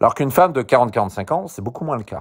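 The background is silent in this very clean recording. A man speaks at a fairly quick clip. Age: 30s. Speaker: dating coach and video blogger. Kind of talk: opinion monologue. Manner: hesitant, many fillers and repetitions.

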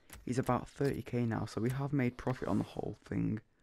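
A quiet man with a dark, mellow tone speaks at a moderate pace and medium pitch, with fairly even intonation. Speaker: gaming youtuber. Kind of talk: gameplay commentary.

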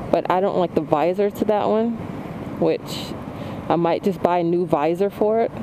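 Noticeable background noise accompanies speech at a moderate pace, with a dry sound and no echo. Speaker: motovlogger. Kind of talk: casual vlog chat. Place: motorbike.

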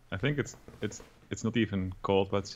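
Over light background noise, a man with a Dutch accent speaks fairly quickly at a fairly low pitch, his intonation fairly even. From Netherlands. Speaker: gaming co-player; game streamer. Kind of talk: casual gaming commentary. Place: home room.

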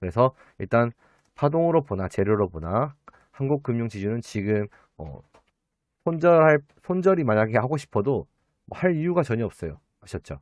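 A man talks at a moderate pace with very wide pitch swings. His pauses are long and frequent. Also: medium pitch for a man, dry, close sound with no echo. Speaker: stock chart analysis youtuber. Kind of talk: tutorial. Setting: at hometown, recording on old computer. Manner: casual, filler-heavy explanation.

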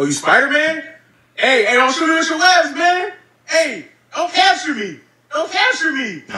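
A man performs a put-on character voice at an extremely high pitch. He keeps a moderate pace. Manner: playful mock fear, exaggerated.

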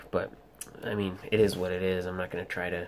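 At a moderate pace, a man is talking. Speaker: toy reviewer. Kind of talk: casual review commentary. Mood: mildly critical, relaxed. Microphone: phone near.

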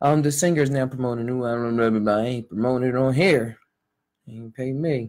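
Speaking in an American accent, the voice keeps a fairly quick pace. Its intonation is fairly even against a quiet background. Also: man, medium pitch for a man. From Philadelphia, US. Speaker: podcast host. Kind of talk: casual solo talk show. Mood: relaxed, reflective. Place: home room. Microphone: studio mic.

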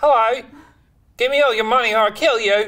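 This put-on character voice runs fairly high in pitch and moves at a fairly quick pace. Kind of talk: casual comedic discussion. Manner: threatening.

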